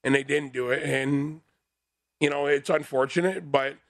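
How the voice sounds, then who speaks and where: A man's voice: on the high side, fairly even intonation, normal speed, no room sound, clean studio sound. A man with a big voice speaking bluntly and heatedly as a guest on a casual sports talk panel. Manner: blunt, fired up, outspoken.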